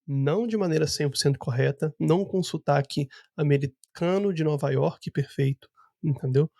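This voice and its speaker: A man's voice: a little high, normal speed, creaky, mellow, dry recording, studio quality. A man hosting a podcast interview, explaining his views in long, opinionated turns. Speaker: podcast host. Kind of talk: casual interview talk. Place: Vancouver.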